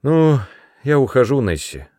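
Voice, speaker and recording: A man's voice: mid-range voice, big pitch swings, unhurried, dry recording, studio quality, voice pushed up. A man reading a storybook voicing an irritable, self-important young brother who snaps sharply. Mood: gruff. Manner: sharp, snapping, louder than the narration. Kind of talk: audiobook character voice.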